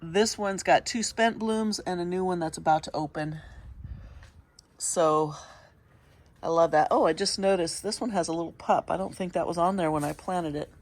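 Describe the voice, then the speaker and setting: Congested woman giving a garden tour. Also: lowish voice. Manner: chatty, meandering, pauses to point things out. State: congested, sniffling. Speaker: garden vlogger. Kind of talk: casual walk-through commentary. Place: outdoor home garden in early morning.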